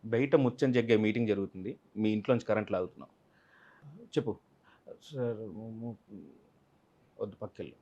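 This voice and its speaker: A man's voice: fairly low pitch, quick pace, warm tone, lo-fi sound. A man, an actor being interviewed, telling a film-set story animatedly and acting out other people's lines. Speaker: actor guest.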